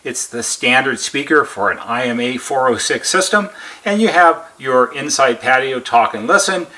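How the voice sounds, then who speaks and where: Bright-voiced man giving step-by-step repair instructions. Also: mid-range voice, expressive, moderate pace. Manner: methodical, explanatory, repeats points plainly. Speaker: repair technician presenter.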